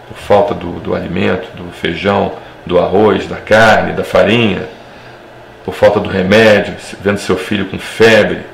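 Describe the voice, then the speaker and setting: A man's voice: low voice, vocal fry. A man, a doctor, giving an impassioned commentary to camera, emphatic and repetitive, piling up long lists of points. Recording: echoey room with faint noise.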